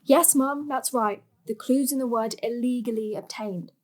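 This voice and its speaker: An actress as a young woman with a high voice in a stage drama. She is a cheeky, yearning daughter who speaks bluntly and pleads with real earnestness. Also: moderate pace, lightly acted. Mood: persuading. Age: young adult.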